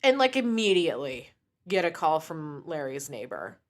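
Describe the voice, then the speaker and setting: Animated woman telling a crime story. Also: sits low, normal speed. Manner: animated storytelling, frequent swearing. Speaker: podcast co-host. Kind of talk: casual true crime podcast chat.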